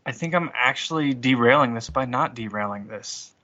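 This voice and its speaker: A man's voice: medium pitch, normal speed, lo-fi sound, noisy background. A man joining a tabletop game remotely, bantering casually with self-deprecating humour. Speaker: remote podcast player. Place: remote, joining from another city.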